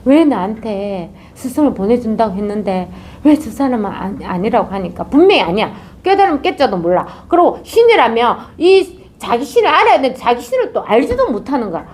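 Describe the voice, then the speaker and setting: A woman's voice: on the high side, brisk, hardly any pauses. A woman giving a dharma talk as a Zen teacher, telling a story and acting out its characters. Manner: animated, acts out characters.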